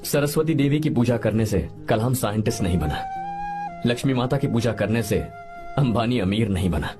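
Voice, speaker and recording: A man's voice: mid-range voice, normal speed, lightly acted. A man voicing an earnest, reassuring young man in a Hindi movie dub. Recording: dubbed film with loud background music.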